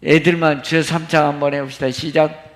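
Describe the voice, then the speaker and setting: A man leading a church family prayer meeting, coaxing and commanding the children to call out louder. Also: on the high side, level tone, brisk. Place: church sanctuary.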